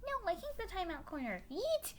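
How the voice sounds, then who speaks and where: A woman's voice: very high voice, sing-song, moderate pace, slight background noise, pitched above the performer's own voice. A woman voicing a bratty, power-hungry toddler pony princess, cheeky and dramatic, in a story reading. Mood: defiant panic.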